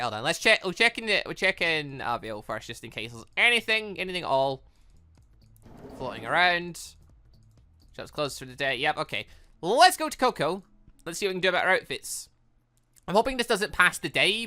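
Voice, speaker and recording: A man hosting a gaming video, thinking aloud and reading game dialogue in an excitable, animated way. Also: a little high, moderate pace. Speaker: gaming channel host.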